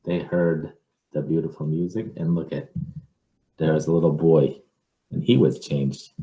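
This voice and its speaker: A man reading a picture book aloud to children in an expressive, measured way, with informal asides. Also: extremely low pitch, echoey room, rough recording.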